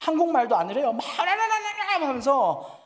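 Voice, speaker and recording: An anxious middle-aged church deaconess, put on by a male preacher, pours out her worries in an excited, pleading rush. Her voice sits well above his own and rings through a long church-hall reverb. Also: high-pitched, moderate pace, pitched above the performer's own voice. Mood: distressed. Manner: excited, pleading retelling in a raised voice.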